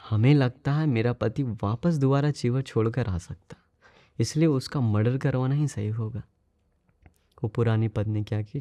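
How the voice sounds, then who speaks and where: A Buddhist monk preaching in a storytelling manner, with a dark, mellow voice. He often stops to put rhetorical questions to his listeners. The recording is dry and close. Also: medium pitch, dry recording. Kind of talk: sermon storytelling.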